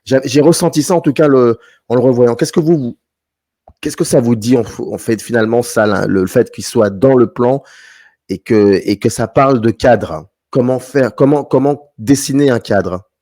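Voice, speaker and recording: A man's voice: medium pitch, moderate pace, dark tone. A man from France hosting a casual film discussion, thinking aloud with enthusiasm. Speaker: host.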